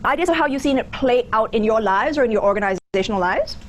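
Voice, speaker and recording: A woman's voice: fairly high pitch, lively intonation, fast talker. A woman in her thirties with a mixed Singaporean and American accent, giving an informal, conversational lecture. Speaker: business school lecturer. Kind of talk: interactive lecture with anecdotes. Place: lecture theatre with audience. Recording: background noise of a lecture room.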